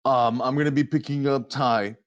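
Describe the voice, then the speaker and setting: A man's voice: medium pitch, steady tone, normal speed, lo-fi sound, natural voice. A man voicing a boisterous young bro in a tabletop game, talking in swaggering slang. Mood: excited.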